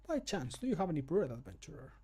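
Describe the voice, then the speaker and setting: Man putting on a whimsical, high-voiced fantasy game oddball. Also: big pitch swings, quick pace, warm tone, breathy edge. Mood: hopeful, polite. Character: cheery, quirky male ale-and-bread-loving fantasy game character. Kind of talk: fantasy video game voice lines.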